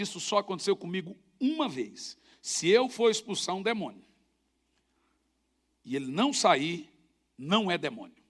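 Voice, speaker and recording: A middle-aged man with a Brazilian Portuguese accent, a pastor preaching a sermon and telling stories with sound effects. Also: high voice. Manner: animated storytelling with sound effects.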